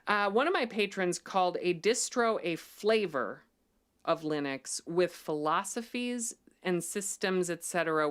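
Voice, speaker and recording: A woman's voice: on the low side, clear, resonant tone. A woman hosting a casual livestream, chatty and full of ums, growing emphatic when she argues a point. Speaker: livestream host.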